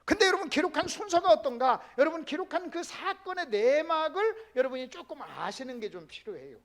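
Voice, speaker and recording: A male pastor preaches a sermon in an extremely high, sing-song voice at a brisk pace. He is emphatic, keeps calling out to the congregation, and sometimes drops to a hushed whisper.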